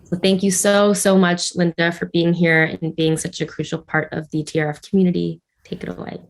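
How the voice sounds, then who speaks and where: A woman host reading a guest introduction in a measured way, with small slips. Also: fairly low pitch, little pitch movement, vocal fry, low-quality recording.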